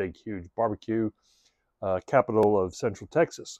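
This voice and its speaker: In a quiet background, a man's speech keeps a moderate pace. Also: dry sound with no echo. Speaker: food reviewer. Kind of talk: casual review talk to camera. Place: garden. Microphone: lapel.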